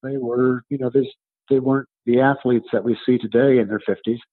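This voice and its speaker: A man in his seventies answering interview questions conversationally as a coach and author, explaining in a halting way and repeating words as he thinks. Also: medium pitch, fairly even intonation, slightly rough, phone-quality sound. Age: 70s.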